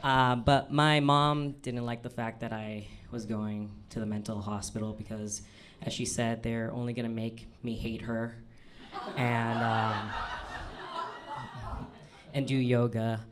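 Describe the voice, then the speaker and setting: A young trans man telling self-deprecating stand-up stories on a comedy club stage, halting often with ums and uhs. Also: little pitch movement. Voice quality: fairly low, manly voice. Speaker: stand-up storyteller. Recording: live club recording with audience noise. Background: audience laughter.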